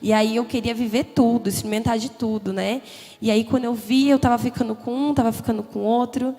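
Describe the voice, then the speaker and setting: Higher-voiced young woman, echoing hall. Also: fairly even intonation, fairly quick. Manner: candid, conversational, emotional, frequent "né?" tags. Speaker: testimony speaker. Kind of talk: personal testimony at a church youth congress. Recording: long hall reverb with faint music. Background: soft background music.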